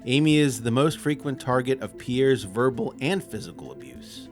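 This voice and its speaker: A man reads a document aloud on his podcast in a relaxed, chatty way, often stumbling over words and laughing. His voice sits at an ordinary middle pitch. Soft music plays faintly underneath. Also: normal speed. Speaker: podcast host.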